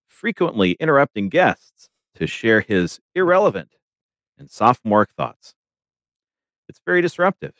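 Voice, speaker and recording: A man's voice: medium pitch, no room sound, studio quality. A man co-hosting a podcast, chatting casually and reading reviews aloud with a wry, amused manner. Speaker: podcast co-host.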